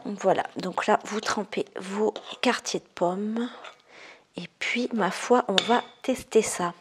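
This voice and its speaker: A woman's voice: mid-range voice, noisy background. Chatty woman demonstrating a recipe. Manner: chatty, self-amused, often drops to a murmur. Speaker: cooking video host. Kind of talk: casual cooking demonstration.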